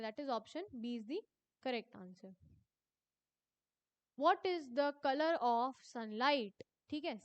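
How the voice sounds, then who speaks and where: High-voiced woman teaching slowly. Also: dry recording. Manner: reads questions slowly, then explains quickly in Hindi mixed with English; addresses students as children, ends answers with a falling tone. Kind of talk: exam paper walkthrough.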